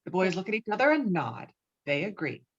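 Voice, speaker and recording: A woman's voice: on the low side, big pitch swings, brisk, vocal fry, breathy edge. A woman reading scripted stage directions as narrator at a table read, slightly muffled as on a video call.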